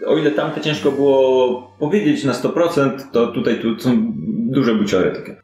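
A man's voice: medium pitch, fairly even intonation, normal speed, dark tone. A man narrating an improvised tabletop role-playing game as game master, in a conversational, descriptive way. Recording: roomy echo, faint music. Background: music.

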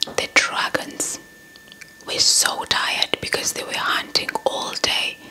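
Very slow, crisp whispering woman. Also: bright, forceful tone, rough recording. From South Africa. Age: young adult. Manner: deliberate, repeats words hypnotically. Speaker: ASMR storyteller. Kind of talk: whispered ASMR folktale narration. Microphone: small handheld mic held close to the mouth.

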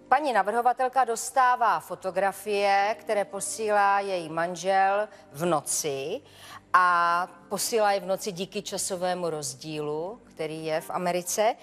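An actress playing a sharp female defense attorney cross-examining a witness in a TV courtroom show. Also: medium pitch, long reverb tail, lightly acted. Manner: pointed, probing cross-examination. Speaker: lawyer for the respondent.

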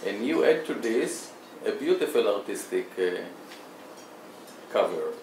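A man's voice: on the low side, sing-song, unhurried, darkish tone, distant mic. Formal male interviewer in an echoey room. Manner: formal, flowery phrasing. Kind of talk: interview questions. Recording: echoey room, faint hiss.

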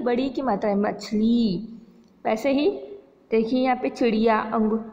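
A woman teaching Hindi to young schoolchildren. She walks them through a worksheet patiently and slows down to sound out words and letters. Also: high-pitched, darkish tone. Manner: patient, repeats "बच्चों" often, stresses pronunciation slowly. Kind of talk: online lesson explaining a worksheet to children. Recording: long reverb, dull lo-fi sound.

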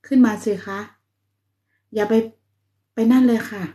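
A middle-aged woman from Thailand hosting a late-night live chat at home, reading viewer comments in a soft, teasing, chatty way and sometimes whispering. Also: on the high side, steady tone, unhurried. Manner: speaks softly, sometimes whispering.

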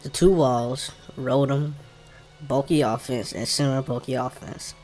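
A man's voice: mid-range voice, fairly even intonation, moderate pace, darkish tone, low-quality recording. A man with an African American English accent gives casual commentary while playing a video game, informally thinking aloud and muttering to himself. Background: game music.

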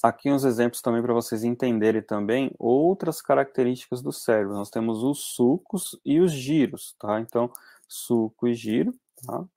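A young Brazilian man teaching anatomy in an online class from a small room, talking conversationally and often tagging sentences with quick checks. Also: mid-range voice, mellow, no echo, clean studio sound. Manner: conversational, frequent tag questions. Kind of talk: online lecture over slides.

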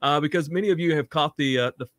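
A man co-hosts over a video call and sounds eager, catching himself with plenty of "uh" as he talks. His voice sits a bit high for a man. The sound is dry and close, with no room around it. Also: fast talker, dry recording. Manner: eager, hesitant, frequent "uh". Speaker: co-host. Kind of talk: casual video call conversation. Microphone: webcam on video call.

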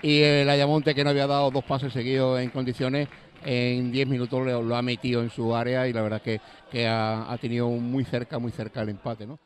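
A man's voice: mid-range voice, flat delivery, fairly quick. A man giving live football analysis as a co-commentator. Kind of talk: live match analysis in short remarks. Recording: live outdoor ground noise. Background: match ambience at an outdoor ground.

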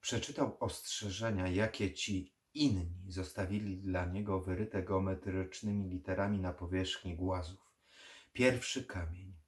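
A man reading a horror novel aloud in a slow, measured, dark manner. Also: low-pitched. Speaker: audiobook reader. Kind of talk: horror audiobook narration.

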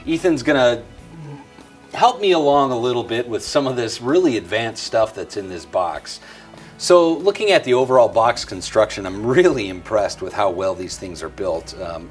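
A man in his forties presents a product tutorial in a conversational style. His voice sits a little low, with faint music behind him.

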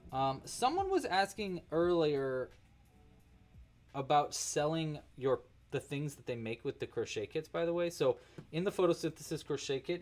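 A man's voice: a little high, a little mellow. A young man hosting a casual livestream crochet tutorial from a home studio. He chats with viewers, thanks donors and counts his stitches aloud as he works.

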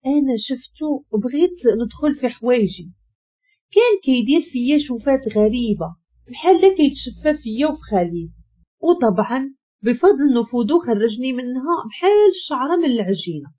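Brief: emotional Moroccan woman narrator, fairly high and very lively pitch. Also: fairly quick, breathy edge. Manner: emotional, dramatic retelling. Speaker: storyteller. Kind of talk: first-person story narration. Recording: dull lo-fi recording.

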